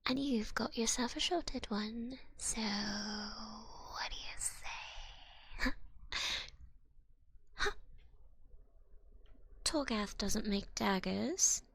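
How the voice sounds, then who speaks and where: Breathy, gravelly little goblin swindler voiced by a woman. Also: fairly high pitch, very slow, pauses often, a bit bright, heavily acted. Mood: wheedling, sly. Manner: folksy, wheedling hustler patter. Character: cute little old goblin swindler, smooth-talking, slyly menacing. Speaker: ASMR roleplay performer. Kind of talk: ASMR roleplay.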